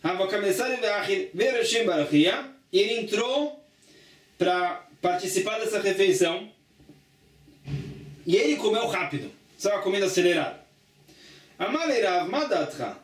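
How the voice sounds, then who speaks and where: A man's voice: high voice, expressive, moderate pace, long pauses. A man teaching a Talmud lesson, reading a line of the text aloud and then explaining it step by step. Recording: echoey room, voice from a distance.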